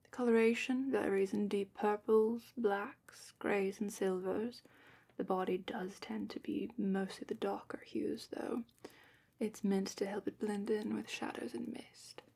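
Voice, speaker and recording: A woman playing a gentle, knowledgeable dragon keeper in a fantasy ASMR roleplay, speaking in a hushed, breathy, unhurried way that often drops into a whisper. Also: mid-range voice, fairly even intonation. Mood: hushed, informative. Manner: hushed, unhurried, careful explaining.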